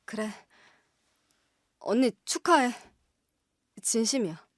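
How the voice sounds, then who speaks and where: A woman's voice: a little high, lively intonation, slow, no room sound, studio quality. A woman acting an anxious, wistful young woman afraid of loss in an audio drama. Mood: subdued.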